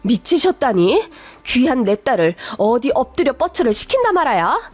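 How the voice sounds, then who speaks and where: A hot-tempered middle-aged mother who rants indignantly in defense of her daughter, as a woman acts her out. Her voice is high and forceful. It is part of a radio story. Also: very animated, moderate pace, faint music behind. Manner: indignant, ranting.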